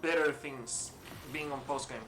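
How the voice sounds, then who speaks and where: A man's voice: medium pitch, steady tone, measured pace, over music. A man from Spain with a mixed, Spanish-influenced accent, rambling through casual let's-play commentary, swearing freely and chuckling often. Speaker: gaming channel host. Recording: roomy echo, faint hiss.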